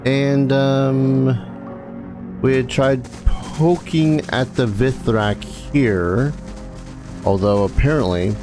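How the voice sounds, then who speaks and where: A man hosting a let's play as game master, chatting casually with hesitant, dry, self-mocking humor. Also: medium pitch. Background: game music.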